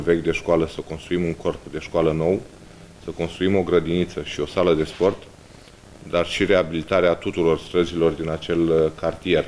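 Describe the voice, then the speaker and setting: Monotone and flat, a man speaks at a very deep, low pitch and a moderate pace. Light background noise sits behind him. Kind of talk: press conference statement. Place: meeting room. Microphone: handheld.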